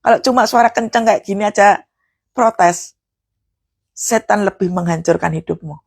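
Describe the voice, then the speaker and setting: A woman preacher, giving a charismatic sermon. She swings from loud, forceful preaching to hushed prayer. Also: medium pitch, moderate pace, vocal fry, breathy edge, dry recording.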